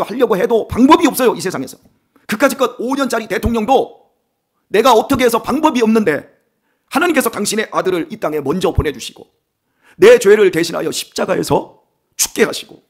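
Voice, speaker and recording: A male pastor giving an early-morning sermon in a conversational way, asking the congregation questions and moving between quiet asides and emphatic declarations. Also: sits high. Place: church sanctuary.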